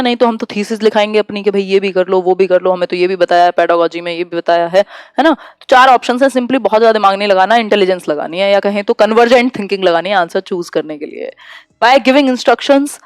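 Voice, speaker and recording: A young woman teacher giving an exam-prep lecture, mixing English terms into her explanations and reading the questions out slowly. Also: mid-range voice, clear, resonant tone, no room sound.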